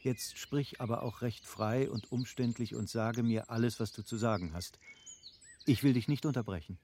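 An actor in a classic German radio play playing an eager, affable middle-aged baron who argues in formal, rhetorical phrases. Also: male voice, mid-range voice, normal speed, darkish tone, a little hiss or hum, close to an everyday voice. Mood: eager, persuasive.

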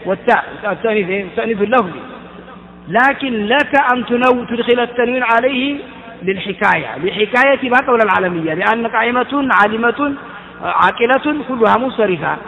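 Guy teaching grammar, high voice, quizzing the class, echoey dull recording. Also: expressive, fast talker, vocal fry. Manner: explains step by step, asks the class questions; chants verse in a sing-song.

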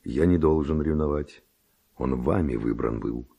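A man's voice: very deep voice, unhurried, vocal fry, dark tone, breathy edge, heavily acted. An actor playing a passionate Spanish nobleman seducer, speaking verse in an ardent, declamatory radio drama manner. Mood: ardent wooing.

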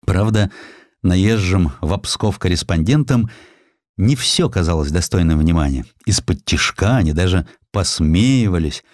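A male audiobook narrator with a low voice tells a historical sketch. His delivery is dramatic and very lively in pitch, with a touch of folksy irony. The sound is close and dry. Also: measured pace, no room sound. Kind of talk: expressive scripted storytelling of historical sketches. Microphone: close studio microphone.

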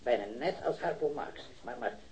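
A man speaks at medium pitch, expressive and a little mellow, close to an everyday voice. For a 1970s radio drama he plays an eager yet hesitant metal worker in his early thirties who witnessed a robbery. Stammering, halting and repeating himself, he sounds unsure and rambling.

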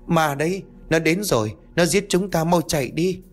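A man's voice: a little high, expressive, normal speed, faint music behind, pitched above the performer's own voice, lightly acted. A man voicing a terrified young mother who raves in broken, repeating cries. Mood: hysterical.

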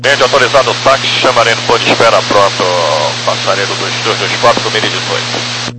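A man's voice: medium pitch, brisk. Male Brazilian pilot, mid-range voice, terse aviation calls over noisy aircraft radio. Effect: aircraft radio transmission. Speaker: airline pilot.

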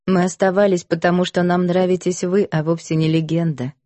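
An earnest young woman, put on by a woman reading a storybook, speaks quietly with a sharp edge. The tone is mellow and the sound is dry. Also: lowish voice, flat delivery, no room sound, lightly acted. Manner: earnest, quick to anger.

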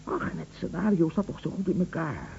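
An actor playing a bitter, sarcastic betrayed husband with cold menace in a radio drama. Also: male voice, a little high, very animated, brisk, vocal fry, dark tone. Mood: menacing, agitated. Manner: sarcastic, mocking, theatrical. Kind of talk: Dutch radio drama acting. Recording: dull lo-fi radio recording, faint hum.

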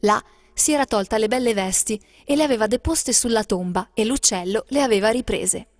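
A woman narrating a fairy tale aloud in a lilting, expressive storybook manner. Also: on the high side, brisk, no echo, studio quality.

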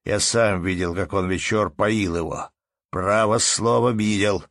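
A man's voice: lowish voice, steady tone, measured pace, a bit bright, no echo, studio quality. A man voicing a stout, fiery peasant who speaks firmly in rustic speech. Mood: heated.

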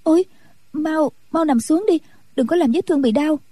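A woman voicing a timid, tender young nun in a storybook reading, in a soft, anxious, pleading way. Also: high-pitched, moderate pace, no room sound, voice pushed up, close to an everyday voice. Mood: worried.

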